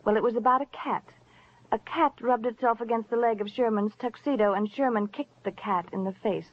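A woman's voice: a little high, brisk, close to an everyday voice. Woman acting as a teasing sophisticated lady, coy, languid, 1940s radio drama, lo-fi. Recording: dull lo-fi old radio recording.

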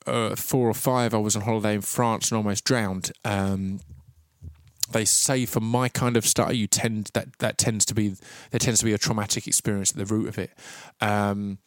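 A podcast host with a lowish voice talks with a noticeable stutter, repeating sounds at the start of words. The sound is clean studio audio with no room sound, covering a casual interview and reflective monologue.

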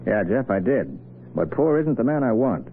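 A man's voice: mid-range voice, very animated, normal speed. An actor playing a tough, decisive detective in his thirties, speaking firmly in 1940s radio style. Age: 30s. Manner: firm, commanding. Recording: very noisy, tinny old radio recording.

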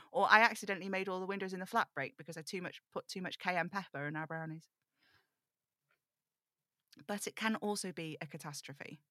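A woman performs a lonely, thoughtful woman broadcaster in an audio drama. Her voice sits slightly low, with a crisp, bright edge and a very dry sound. She confides in her listeners with measured, wistful storytelling. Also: no room sound. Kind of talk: intimate scripted audio drama monologue.

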